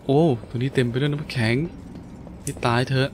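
A man's voice: medium pitch, little pitch movement, brisk, a little hiss or hum. A man doing gameplay commentary, full of exclamations and interjections as he reacts to play. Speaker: video game streamer. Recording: game music behind the voice. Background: video game music and effects.

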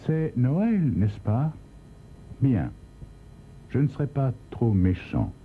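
A shabby little swindler, voiced by a man in a raised, thin voice, shifting from fake fear to quiet menace. The reading comes through a tinny, phone-like channel with a faint hiss behind it. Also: mid-range voice, slow, pitched above the performer's own voice, full character voice. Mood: calm, menacing. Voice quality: put-on foreign accent at first. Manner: pleading, then calm and cutting.

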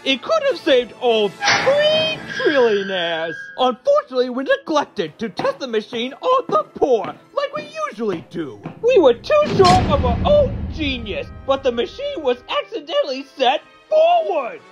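Eccentric old cartoon demon inventor: high, wildly swooping, pompous declaiming, music underneath. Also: huge pitch swings, a little slow, hardly any pauses, muffled recording, full character voice. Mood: aggrieved. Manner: theatrical, grandiose declaiming. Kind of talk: animated cartoon fan dub.

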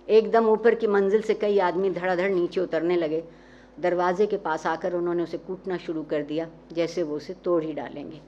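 A woman storyteller giving a measured, expressive dramatic reading of a literary short story. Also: fairly low pitch, a little hiss or hum. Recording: dull, muffled recording with faint ambience.

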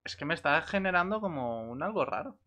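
A man's voice: on the high side, animated, brisk, sharp tone. A man with an accent from Spain, chatting casually as a livestreamer while gaming. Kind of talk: casual gaming stream chat.

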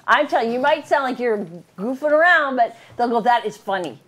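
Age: middle-aged. Sex: woman. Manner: enthusiastic coach giving notes, high and lively, a bit breathy. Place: crowded living room, phone camera. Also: brisk. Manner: enthusiastic, encouraging, laughs often. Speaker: voice-over director. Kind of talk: live coaching a table read. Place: living room full of people.

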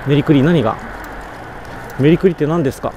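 A man's voice: a little high, fairly quick. A man riding a bicycle outdoors, chatting casually on a live stream and answering viewer comments as he goes. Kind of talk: casual live-stream chat while cycling. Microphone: camera mounted on the bicycle. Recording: loud wind buffeting, road traffic. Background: strong wind noise and passing traffic.

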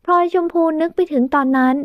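A woman narrates a romance audio novel in a high, steady voice. The recording is dry and slightly dull. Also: fairly quick, dry recording.

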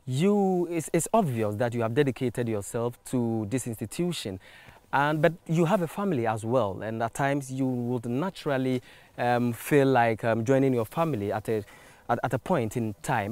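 Talk show host, male, polite, mid-pitched voice. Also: expressive, normal speed, darkish tone. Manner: polite, guiding questions.

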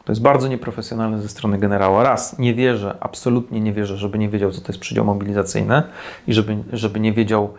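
Speaking fast and flatly in a fairly low voice, a defense commentator from Poland, a man in his forties, offers scornful, sarcastic critique to the camera. He is seated in a small indoor room against a plain white wall.

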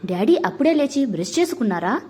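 A woman with a husky voice voicing a grieving young schoolgirl in a storybook reading. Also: a little high, lively intonation, moderate pace, dark tone. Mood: earnest. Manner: tearful pleading. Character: young schoolgirl grieving her dead mother.

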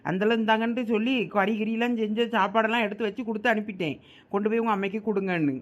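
A woman playing a quick-talking village housewife. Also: medium pitch, steady tone, lightly acted. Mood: complaining. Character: village housewife gossiping with neighbour. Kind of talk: village family skit.

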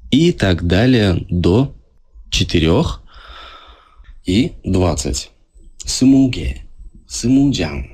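A man gives a casual video lesson in a low, slightly husky voice. He takes his time and walks through each point patiently. Now and then he checks whether his viewers are following. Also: drawn-out words, pauses often. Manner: relaxed, explains step by step, asks the viewers questions. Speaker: language teacher. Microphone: voice-over over filmed handwritten notes.

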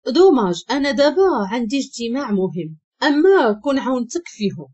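A woman's voice: fairly high pitch, sing-song, a little fast, darkish tone, slightly rough. A woman with a Moroccan accent voicing a charming, flirtatious male colleague who teases in a playful way. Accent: Moroccan Arabic. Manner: teasing and playful.

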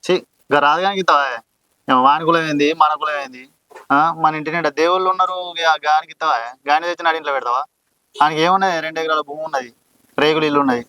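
A man's voice: fairly high pitch, fairly even intonation, rapid-fire, bright, forceful tone, no echo, poor audio. A man playing a caste-proud village elder who scolds and lectures. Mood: scolding. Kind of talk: village drama acting.

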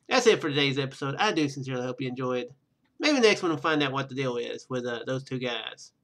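Game music plays behind a young let's play host whose mid-range voice sounds pushed and bright. He runs a casual playthrough, reading narration out loud, adding commentary, and occasionally tripping over words and rereading them.

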